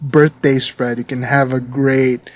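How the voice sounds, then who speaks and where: A man's voice: medium pitch, flat delivery, measured pace. A man from the Philippines co-hosting a podcast, talking casually and peppering his speech with "like" and "you know". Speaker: podcast co-host.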